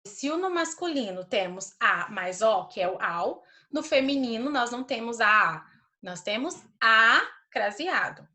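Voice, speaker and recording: A woman teacher, giving a recorded grammar lesson to schoolchildren. She reads example sentences slowly and deliberately, stopping often to ask "certo?". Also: on the high side, lively intonation, sharp tone. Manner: checks understanding with "certo?".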